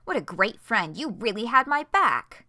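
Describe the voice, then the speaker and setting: A woman's voice: on the high side, sing-song, normal speed, bright, forceful tone, no echo, clean studio sound, heavily acted. A woman voicing a bitter, sarcastic young woman snapping at a friend.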